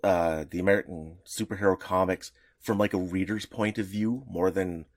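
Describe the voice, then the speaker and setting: A man co-hosting a casual podcast, explaining in a rambling, halting way full of restarts. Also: deep voice, steady tone, no room sound, studio quality. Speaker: podcast co-host.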